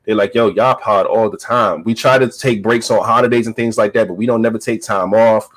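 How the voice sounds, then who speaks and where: A man's voice: on the low side, fairly even intonation, a little fast, a bit bright. A man in his thirties hosting a podcast, talking in a loose, slangy way and laughing often. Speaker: podcast host. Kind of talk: casual podcast chat.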